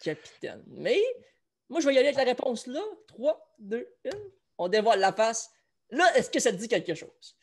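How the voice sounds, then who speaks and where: A man's voice: extremely high pitch, animated, normal speed, creaky, a little mellow, slightly rough. A man with a Quebec French accent, hosting a casual sports chat show and running a trivia quiz. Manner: chatty, runs a trivia quiz. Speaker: host.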